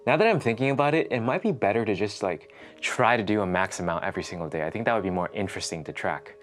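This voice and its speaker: A man hosting a fitness vlog, chatting casually and thinking aloud in a rambling way. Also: low-pitched. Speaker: host of a fitness challenge vlog. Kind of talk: casual chat to the viewer.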